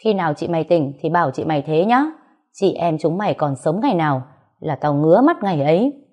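A woman's voice: sits low, animated, brisk, warm tone. Woman voicing a sneering brother-in-law. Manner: sneering, insulting. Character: crude spiteful brother-in-law, grown man.

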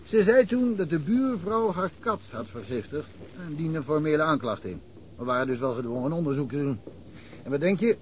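Rambling village police chief played by a man, slightly high voice, faint hiss on an old radio-play recording. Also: expressive, normal speed, close to an everyday voice, rough recording. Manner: rambling, anecdotal storytelling.

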